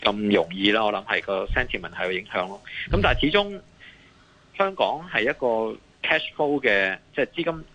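Gravelly, hesitant Hong Kong male analyst. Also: on the low side, expressive, normal speed, bright, forceful tone, highs cut off. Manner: hesitant, repeating phrases, mixes in English terms. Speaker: financial analyst guest. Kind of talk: live market commentary.

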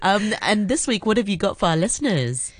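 A middle-aged woman hosting a casual radio chat, curious and quick to laugh, repeating phrases back to her guest. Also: mid-range voice, very animated. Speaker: radio host.

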